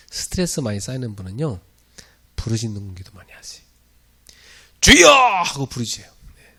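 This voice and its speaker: A middle-aged man preaches a sermon in a chatty, animated way. His voice sits in an ordinary mid register, swings widely in pitch, and now and then bursts into full-throated shouts before dropping to a quiet aside. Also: gravelly, breathy edge. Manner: lively, conversational preaching that laughs and shouts out prayers. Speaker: pastor.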